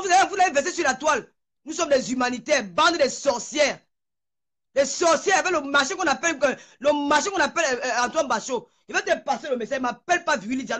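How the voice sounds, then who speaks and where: High-voiced furious woman ranting. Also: a bit bright. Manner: furious, hurling insults, stammering repeats. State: shaking with anger. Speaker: social media personality. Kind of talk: heated live video rant.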